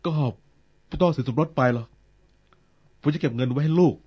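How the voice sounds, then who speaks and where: A man's voice: mid-range voice, brisk, husky, highs cut off, lightly acted. A man acting an exasperated, scornful husband in lakorn melodrama, sarcastic and scolding. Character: exasperated, scornful husband quarrelling with his wife.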